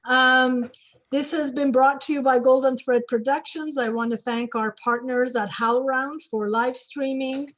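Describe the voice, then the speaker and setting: A woman's voice: high-pitched, fairly even intonation, a little slow, a bit bright. A woman hosting an online panel discussion with artists, putting questions to guests over a video call. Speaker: host of an online talk series with artists.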